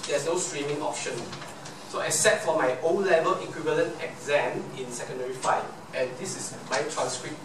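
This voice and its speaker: A young man from Malaysia with a Malaysian English accent, a Chinese native speaker giving an earnest motivational speech full of rhetorical questions. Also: a little high. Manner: earnest, rhetorical questions, slow emphatic repeats. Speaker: club speaker. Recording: echoey room from far off, noisy.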